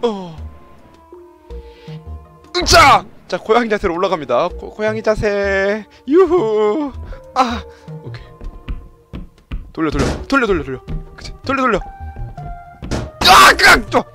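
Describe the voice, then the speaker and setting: High, shrill, excitable male streamer. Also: soft background music. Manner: loud, yelping, frequent laughing; shouts quick repeated commands. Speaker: game streamer. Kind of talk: excited gameplay commentary.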